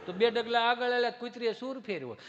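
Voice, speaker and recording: A man performing folk stand-up comedy, telling animated stories and acting out the people in them. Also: very high voice, fast, in a large hall, dull audio, slight background noise. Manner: animated, acts out city guests and villagers in put-on voices. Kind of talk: Gujarati folk stand-up storytelling.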